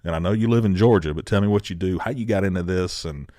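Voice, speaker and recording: Low-voiced guy hosting a podcast, laid back, chatty, dry sound. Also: fast, mellow, no room sound. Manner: easygoing, chatty with fillers. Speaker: podcast host. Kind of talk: casual interview.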